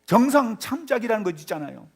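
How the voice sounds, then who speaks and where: Guy preaching in church, pretty high voice, super animated, goes loud then quiet, keeps calling out to the congregation. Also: fast, husky. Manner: animated, swinging between loud exclamations and hushed tones; addresses the congregation directly, often calling out to them. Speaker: pastor. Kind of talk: sermon. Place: church sanctuary.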